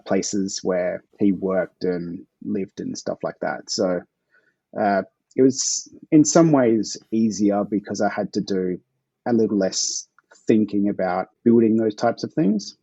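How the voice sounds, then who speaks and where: Aussie guy, chill answers, low dark husky voice, kinda muffled dull sound. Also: a little slow, dry recording. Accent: Australian. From Australia. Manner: laid-back, chuckles between answers. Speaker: guest author. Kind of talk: casual interview answers.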